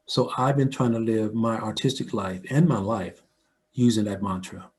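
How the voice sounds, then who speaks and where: Older American man, low-pitched, reflective interview guest with a conversational storytelling manner. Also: moderate pace, darkish tone. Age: older, 60s or above. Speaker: audio dramatist and filmmaker, interview guest.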